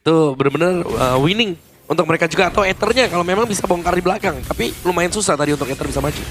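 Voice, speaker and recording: A man's voice: fairly high pitch, lively intonation, racing. A man giving analysis as a co-commentator on a live esports match. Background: game music.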